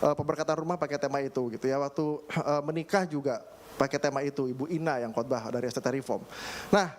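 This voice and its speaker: A young man, a pastor, preaching a casual, storytelling sermon with lots of filler phrases and throat clearing. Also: medium pitch, fairly even intonation, fast talker. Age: young adult. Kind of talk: conversational sermon. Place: church. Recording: faint background noise.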